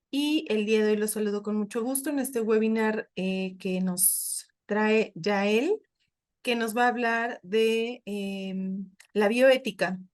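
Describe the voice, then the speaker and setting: A woman coordinator opening and moderating a webinar, speaking politely and welcomingly with frequent fillers. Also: mid-range voice. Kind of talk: webinar introduction. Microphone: video call.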